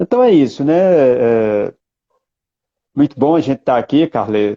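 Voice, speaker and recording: A man talks at a fairly slow pace with lively intonation and very even loudness. The sound is dry and close, with no echo. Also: fairly high pitch for a man. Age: 60s. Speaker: puppeteer. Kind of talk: live interview. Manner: hesitant, with many fillers.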